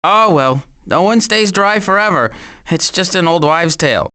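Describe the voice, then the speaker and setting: A man voicing a wry, wisecracking woodland animal in an animated video game. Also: high voice, moderate pace.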